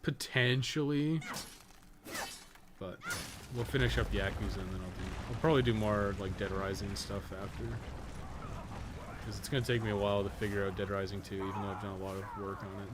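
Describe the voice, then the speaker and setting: Here the streamer, who co-hosts a podcast too, talks in a lowish voice with fairly even intonation, moving at a fairly quick clip but pausing often. His gameplay commentary is casual and unscripted, full of rambling, thinking aloud and swearing. Noise is clearly audible behind him.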